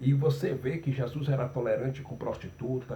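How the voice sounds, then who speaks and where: In a room with audible echo, a man of medium pitch speaks at a moderate pace with a dark, mellow tone and vocal fry. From Brazil, Northeast. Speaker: preacher. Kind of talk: sermon.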